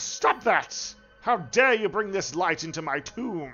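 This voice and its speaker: A man puts on a character voice, shrill and high-pitched. He speaks at a fairly slow pace. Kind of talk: theatrical menacing. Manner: screeching, furious.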